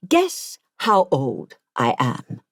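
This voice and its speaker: A genial old gentleman of eighty, played by a woman, precise and pleased with himself. He talks slowly and deliberately in a low register, as an audiobook character. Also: huge pitch swings, dry recording, clean studio sound, full character voice. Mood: proud. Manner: precise, deliberate, self-satisfied.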